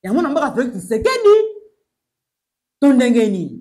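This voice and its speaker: A young man with a Congolese accent delivers urgent news commentary in a high voice, switching between French and Lingala. He speaks emphatically from a small plain room. He sits facing the camera as he talks. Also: huge pitch swings, normal speed, a little mellow. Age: young adult. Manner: emphatic, urgent, gesturing while addressing the camera.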